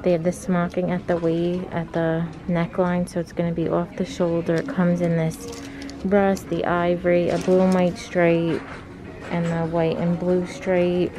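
A young woman narrates casually as she films herself shopping for clothes on a handheld phone, leaning heavily on "like" as a filler; she's a fashion vlogger. Her lowish voice is completely flat and unhurried, with background noise and music playing over it.

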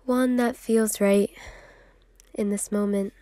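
A woman leading a guided meditation in a soft, soothing, unhurried way with long pauses, breathy at times. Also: mid-range voice, steady tone, dry recording, studio quality.

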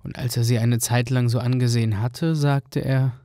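A man's voice: medium pitch, normal speed, no room sound. Man narrating a fairy tale, dry and close. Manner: even, storytelling.

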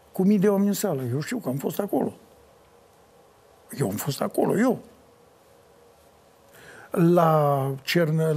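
An older man answering interview questions in an animated way, breaking into sung folk lines as he talks. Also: sits high, slightly rough. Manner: animated, sings folk lines mid-talk. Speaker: folk singer.

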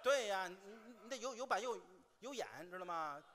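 A man performing comic crosstalk, half singing a story in a deadpan, sing-song way to the beat of clapper boards on a theater stage. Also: sits high, a little fast.

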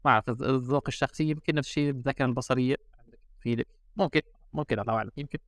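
Algerian male guest, relaxed and chatty, dropping in foreign words, rapid-fire. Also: mid-range voice, no echo. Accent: Algerian Arabic. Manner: relaxed, mixes in English and French words. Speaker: guest designer. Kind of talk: casual podcast chat. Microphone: remote call.

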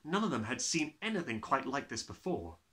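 A man's voice: medium pitch, fairly quick. A young man reading a children's story aloud as a theatrical, dramatic narrator. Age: young adult. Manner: theatrical, animated.

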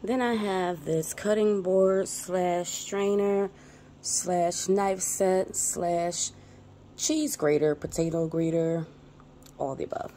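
A woman's voice: fairly low pitch, fairly even intonation, takes it slowly, warm tone. A woman vlogger giving a casual show-and-tell narration, recorded indoors on a handheld phone. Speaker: vlogger, channel host. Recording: noticeable background noise on phone recording.

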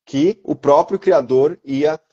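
A man in his thirties from Brazil, a teacher speaking as an interview guest on a video call through an earphone headset, calm and explanatory. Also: a little high, slow pace, slightly rough, lo-fi sound. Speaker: biblical Hebrew teacher, guest.

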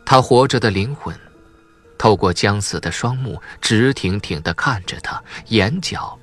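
A man's voice: lowish voice, lively intonation, measured pace, fairly bright tone, soft background music. A man narrating a suspense audiobook in a dramatic, theatrical storytelling manner.

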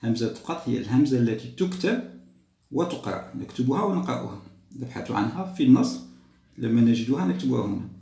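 Patient teacher, gravelly dark voice. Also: male voice, mid-range voice, sing-song. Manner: patient, repeats and spells out words slowly for children. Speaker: primary school teacher. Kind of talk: step-by-step grammar lesson. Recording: roomy echo.

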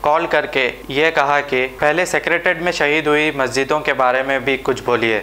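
Bright, forceful male news presenter. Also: on the high side, fairly even intonation, normal speed. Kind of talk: scripted news introduction.

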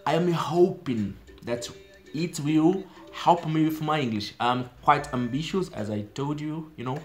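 Chatty Brazilian man in his thirties. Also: medium pitch. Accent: Brazilian Portuguese. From São Paulo, Brazil. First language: Portuguese. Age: 30s. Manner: chatty and expressive, gestures a lot, many "you know" fillers. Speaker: language learner vlogger. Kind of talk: casual spoken video diary. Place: small indoor room with a plain wall. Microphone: phone camera at arm's length.

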